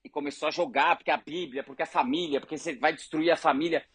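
Education leader, husky, dry close sound, makes the case through anecdotes. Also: medium pitch, fast, no room sound. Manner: earnest, animated, argues through examples. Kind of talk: conversational storytelling.

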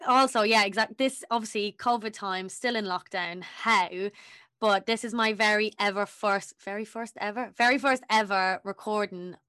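A woman's voice: mid-range voice, steady tone, moderate pace, pushed and bright, clear, resonant tone. A woman of about thirty, hosting a podcast in a casual, rambling, enthusiastic way. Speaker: podcast host.

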